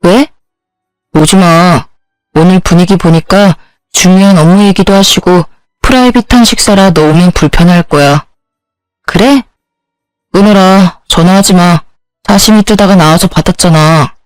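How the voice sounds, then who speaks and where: A woman's voice: on the low side, measured pace, no room sound, faint music behind, natural voice. A woman voicing a curt, irritated husband who brushes off his wife in a storybook narration. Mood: dismissive. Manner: blunt, dismissive.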